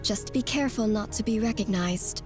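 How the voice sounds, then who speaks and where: An actress playing a composed, reserved but caring otherworldly sister in a video game, measured and matter-of-fact. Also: female voice, mid-range voice, natural voice. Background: faint background music.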